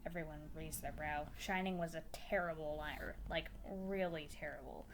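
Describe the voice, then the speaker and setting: A woman's voice: low-pitched, fairly even intonation, moderate pace, noisy background. A woman narrating a fan story as a dramatic reading. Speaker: story reader.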